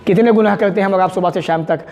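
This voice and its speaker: A man's voice: high voice, very fast, muffled recording. A man giving a fervent sermon, asking rhetorical questions and reciting Arabic passages. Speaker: preacher. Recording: long hall reverb.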